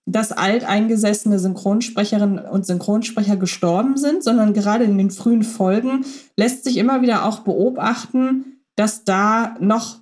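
A fairly high, slightly mellow female voice belongs to a podcast co-host who is ill and recovering. She chats casually, in a thoughtful and talkative way.

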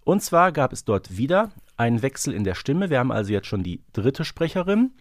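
A man's voice: medium pitch, big pitch swings, fairly quick, no echo, clean studio sound. A man co-hosting a podcast in casual discussion, thinking aloud in a reflective, hesitant way. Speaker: podcast co-host. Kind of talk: casual discussion of an audio drama series.

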